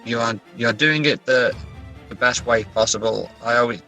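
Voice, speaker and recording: A man's voice: mid-range voice, moderate pace, bright, forceful tone, faint music behind. A man talking casually as a guest author in an interview, chatty and self-deprecating.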